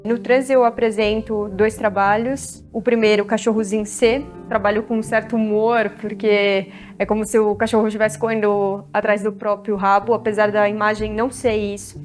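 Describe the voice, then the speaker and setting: A woman's voice: medium pitch, flat delivery, moderate pace, hardly any pauses. A woman with a Brazilian accent explaining her practice as a visual artist. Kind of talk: artist talking about own work. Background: music.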